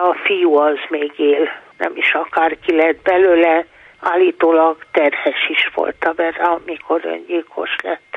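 A woman with a fairly low pitch speaks at a very slow pace in a monotone, flat intonation, with noticeable background noise behind her. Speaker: art historian. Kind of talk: interview recollection.

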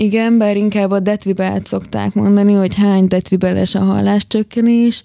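A woman at a moderate pace with hardly any pauses, dry, close sound with no echo, very clean recording and silent background. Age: 20s. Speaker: hard-of-hearing blogger. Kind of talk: radio interview. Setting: radio studio.

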